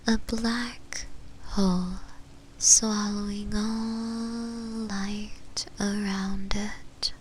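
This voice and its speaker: Woman whispering as a very slow, yearning shadow demon. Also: mid-range voice, flat delivery, slight background noise. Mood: yearning, melancholy. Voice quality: breathy whisper. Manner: slow, intimate, lingering delivery with long pauses. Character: flirty, possessive, yearning female shadow demon. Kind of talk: whispered ASMR roleplay.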